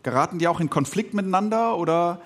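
With lively intonation, a middle-aged pastor raised on Swiss German delivers a reflective podcast sermon, his slightly high voice rising and falling a lot. He pauses frequently and fills the silences with soft hesitation sounds.

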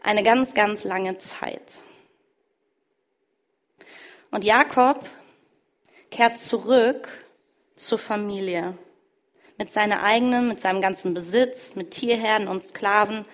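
A woman preaching, retelling a scripture story emphatically, swinging between loud stress and hushed endings. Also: medium pitch, slow, long pauses.

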